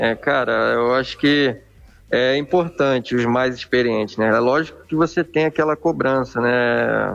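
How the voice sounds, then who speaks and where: This man talks in a Rio de Janeiro accent at a fairly slow pace. His loudness stays very even. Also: medium pitch for a man, ordinary pitch variation. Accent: carioca. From Rio de Janeiro, Brazil. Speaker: professional footballer. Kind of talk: radio interview. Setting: radio studio.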